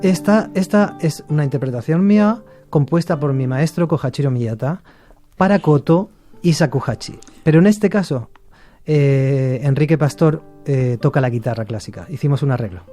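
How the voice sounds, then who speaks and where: A middle-aged man from Argentina, a shakuhachi musician, talking in a relaxed interview with many fillers and restarts. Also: a little high, normal speed, soft background music.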